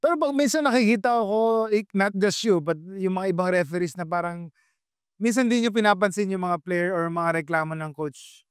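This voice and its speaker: A man's voice: sits high, moderate pace, clean tone, no echo, studio quality. A man hosting a sports interview show, asking probing questions and mixing English into his sentences. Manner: switches between local language and English mid-sentence, probing.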